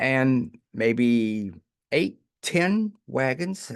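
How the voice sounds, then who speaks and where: A man talks with very wide pitch swings over a quiet background. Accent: American. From US South, New Orleans. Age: 80s+. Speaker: memoir storyteller. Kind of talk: personal reminiscence monologue. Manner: halting, repeats words.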